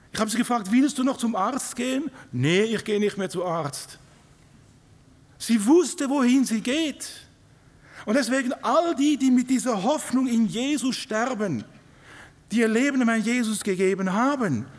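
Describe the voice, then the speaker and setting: A middle-aged man with a Swiss German accent preaches with emphasis, often putting questions to his listeners. His voice sits rather high for a man. It rings out in a large hall with a long reverb. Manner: emphatic, asks the congregation questions. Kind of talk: sermon. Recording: live recording in a reverberant hall.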